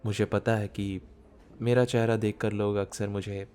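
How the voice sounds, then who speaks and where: A man acting a shy, bookish man in his thirties in an intimate ASMR romance roleplay, speaking softly as if musing, with some background noise. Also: lowish voice, level tone, smooth, close to an everyday voice. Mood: gentle. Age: 30s. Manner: soft, unhurried, intimate, musing. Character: shy, bookish, self-doubting thirty-year-old man, tender romantic lead. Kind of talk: ASMR boyfriend roleplay audio drama.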